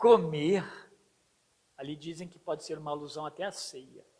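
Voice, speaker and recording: A man speaks at a very slow pace. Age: 80s+. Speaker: pastor. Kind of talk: sermon.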